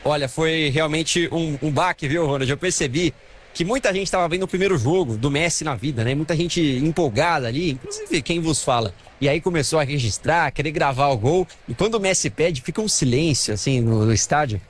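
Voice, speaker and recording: A young man with a Brazilian accent, reporting live from outside a stadium in a chatty, lively way and often calling the anchor by name. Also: on the high side, a little fast, a little hiss or hum. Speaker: field reporter. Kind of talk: live news report from the field.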